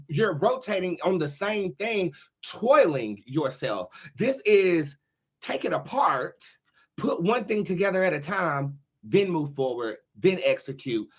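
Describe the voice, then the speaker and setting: An American man hosting a live tarot reading show, talking in sassy, expressive slang with plenty of swearing. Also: a little high, slightly rough. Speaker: tarot reader and show host.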